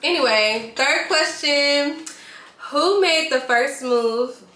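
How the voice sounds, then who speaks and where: Woman in her twenties, bright and high, hosting a chatty couple vlog; echoey room. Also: slow pace. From Nashville, Tennessee, USA. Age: 20s. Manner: giggly, laughs often, eats while talking. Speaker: YouTube channel host. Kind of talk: casual couple Q&A chat. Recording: echoey room with faint noise.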